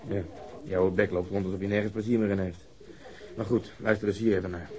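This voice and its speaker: An actor playing a dry, sarcastic male police detective with a husky voice in a radio drama. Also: sits low, flat delivery, fairly quick, darkish tone, natural voice. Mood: teasing. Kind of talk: 1970s radio drama acting.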